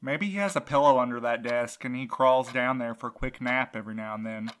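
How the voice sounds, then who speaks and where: A woman's voice: rumbling low, brisk. A woman voicing a blunt, sardonic widowed courier in an audio drama. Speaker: night courier.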